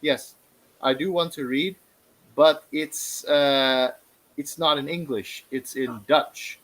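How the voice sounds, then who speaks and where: A man talking casually as a guest about books, pausing often with "uh". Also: fairly high pitch, fairly even intonation, fairly bright tone, rough recording. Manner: hesitant, frequent "uh" pauses. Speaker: guest, book video creator. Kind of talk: casual chat.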